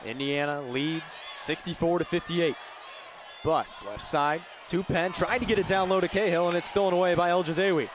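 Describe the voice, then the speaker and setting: A man's voice: a little high, normal speed. A young American man doing live play-by-play sports commentary, projecting with urgency. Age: young adult, about 20. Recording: loud crowd noise from the arena. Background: sports crowd and game ambience.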